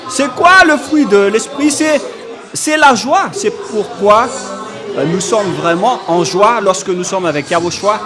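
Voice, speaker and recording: A man preaching an emphatic sermon, often shouting, at a live church service. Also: very high-pitched. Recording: live church recording with music and crowd.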